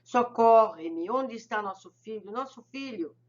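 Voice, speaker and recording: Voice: mid-range voice, a little fast, fairly bright tone, natural voice. An anguished mother spirit cries out in pleading, anxious exclamations, voiced by the audiobook reader. Her voice lifts with distress. The sound is slightly muffled.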